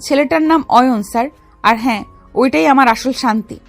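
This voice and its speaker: A woman's voice: sits high, normal speed, creaky. A woman playing a bold young female gangster and secret officer in a dramatized love story, commanding yet affectionate. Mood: firm, proud. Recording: music under the voice.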